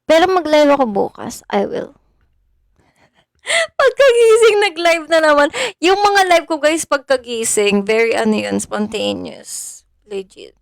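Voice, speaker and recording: A woman's voice: fairly high pitch, gravelly, no echo, clean studio sound. A young woman from Bulacan in the Philippines, chatting casually on a phone livestream and thanking her viewers by name. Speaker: idol livestreamer.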